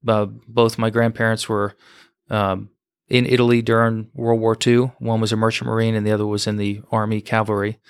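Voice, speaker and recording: A man in his forties from New York, a former fighter pilot telling his story as a guest in a casual interview, steady and modest, with many fillers. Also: fairly low pitch, brisk, smooth, no echo, studio quality. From United States, New York. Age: 40s.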